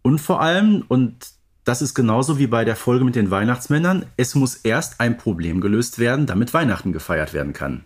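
A man's voice: medium pitch, big pitch swings, fairly quick, breathy edge. Man in casual podcast review chat. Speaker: podcast co-host. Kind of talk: casual review chat about audio drama episodes.

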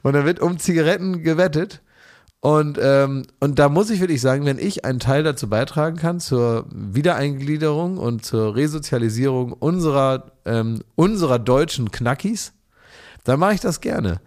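A man's voice: fairly high pitch, normal speed, darkish tone. A man co-hosting a podcast in casual chat, telling ironic stories and often restarting his sentences. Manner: ironic, rambling storytelling with many restarts. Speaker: podcast co-host.

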